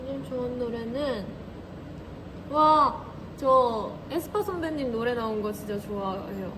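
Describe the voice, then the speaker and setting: A young idol livestream host in her twenties speaks unhurriedly in a voice on the high side, with background noise present. Giggly and chatty, she has a slight Korean regional dialect and reads and answers viewers' comments.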